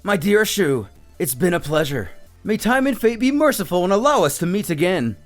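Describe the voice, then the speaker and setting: A courtly male attendant, acted out by a man, speaks in flowery, formal phrases. His pitch sits high and swings theatrically, with melodramatic politeness. Music runs underneath the storybook-style performance. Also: big pitch swings, a little fast. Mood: gracious. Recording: music behind the voice.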